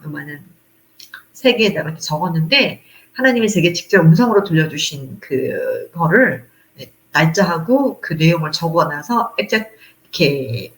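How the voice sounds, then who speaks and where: A woman's voice: lowish voice, echoey room. A middle-aged woman missionary preaching a sermon, acting out the voices of the people in her stories. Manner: animated, acts out quoted voices of people and God.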